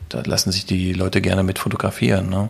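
Noticeable background noise accompanies a man speaking at a very fast pace with a fairly low pitch. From Siegen, Germany. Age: 50s. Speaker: Christmas market organizer and ad agency owner. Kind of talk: casual interview. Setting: office of his advertising agency.

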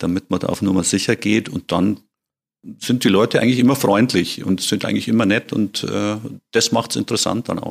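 Fairly low in pitch, a man speaks at a fairly quick pace. His intonation stays fairly even. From Upper Palatinate, Bavaria (Amberg-Sulzbach district). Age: 50s. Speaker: communication designer and book publisher. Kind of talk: casual interview. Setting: studio. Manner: hesitant, many fillers.

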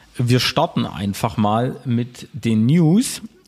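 This man speaks at a very slow pace and a medium pitch. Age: 30s. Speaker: YouTuber and car podcast host. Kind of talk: casual chat. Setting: sitting together over coffee.

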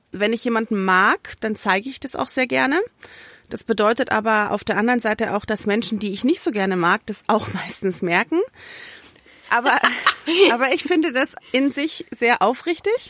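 Lively intonation and a moderate pace come with long, frequent pauses in a dry, close sound with no echo. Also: woman, fairly high pitch for a woman. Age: 40s. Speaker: podcast co-host, friend, self-employed. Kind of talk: casual chat.

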